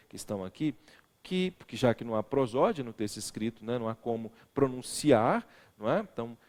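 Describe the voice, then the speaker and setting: A man's voice: mid-range voice, big-room sound. A man teaching legal writing in a recorded lecture, stressing words for effect and putting questions to his students. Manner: expressive, stresses words, asks the class questions.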